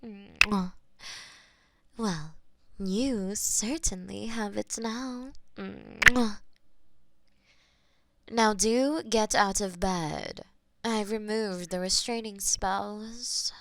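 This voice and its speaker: A woman's voice: mid-range voice, no echo. A woman playing a possessive demon mistress. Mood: teasing, commanding. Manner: teasing and possessive, slipping into soft whispers. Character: possessive, taunting wealthy female demon mistress. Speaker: audio roleplay performer. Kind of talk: scripted audio roleplay.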